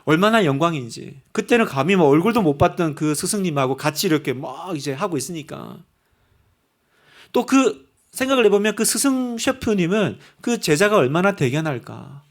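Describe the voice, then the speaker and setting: A male pastor preaches in a church sanctuary. He talks in a high register that swings widely, shifting between chatty storytelling and fervent appeals. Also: moderate pace. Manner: animated storytelling, rising to fervent exhortation. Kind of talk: sermon.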